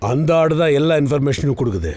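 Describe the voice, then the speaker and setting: A senior police chief, played by a man in a dubbed TV crime series. His voice is slightly high and very animated, with a faint background ambience. He questions people and gives orders with authority. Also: quick pace, slight background noise, natural voice. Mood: grave.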